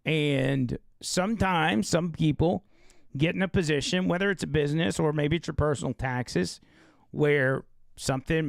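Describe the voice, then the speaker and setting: A male talk show host with a gravelly, slightly hoarse voice, chatting loosely and reading an ad. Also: a little high, no echo, studio quality. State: losing his voice. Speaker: radio and live-stream show host. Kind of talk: casual live talk show with read ad.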